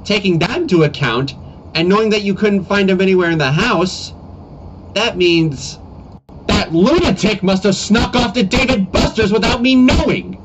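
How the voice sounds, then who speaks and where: A man's voice: high-pitched, moderate pace, slight background noise, natural voice, rough recording. A man voicing a stern, easily exasperated father in an amateur comedy cartoon, recorded on a cheap webcam mic. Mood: indignant. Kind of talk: amateur comedy animation voice-over.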